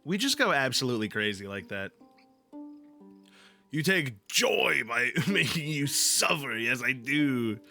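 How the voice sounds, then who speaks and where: A man's voice: medium pitch, sing-song, measured pace, gravelly, pushed and bright. A playful, irreverent man hosting a livestream, moving between casual chat and reading aloud. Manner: playful, irreverent, profane, jokey. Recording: background music under the voice. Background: ambient background music.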